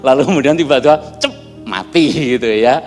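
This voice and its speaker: A man's voice: medium pitch, moderate pace, darkish tone. A man preaching a sermon, telling anecdotes and often addressing his listeners directly. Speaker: pastor. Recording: hall reverb with faint music behind.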